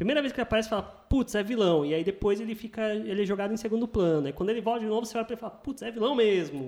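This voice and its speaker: A man with a high-pitched voice talks at a very fast pace with hardly any pauses and ordinary pitch variation. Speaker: podcast co-host and film youtuber. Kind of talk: casual chat.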